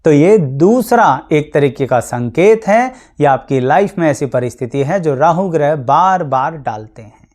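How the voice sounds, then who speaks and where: A man speaking as an astrologer, explaining things to his viewers in a plain, practical way with everyday examples and English words mixed in. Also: on the high side. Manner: mixes English words into Hindi.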